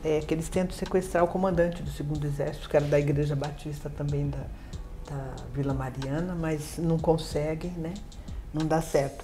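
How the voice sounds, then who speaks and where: A woman speaks with a very deep, low pitch. Audible room echo and noticeable background noise fill the recording. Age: 70s. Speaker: author and former political prisoner. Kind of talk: interview.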